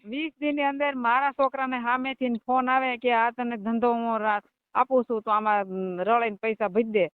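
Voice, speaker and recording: A woman's voice: on the high side, little pitch movement, normal speed, clear, resonant tone. A middle-aged woman with a Kathiyawadi Gujarati accent, speaking plaintively and informally as a caller on the phone. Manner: plaintive, recounting hardships. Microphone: phone call. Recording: band-limited phone call recording.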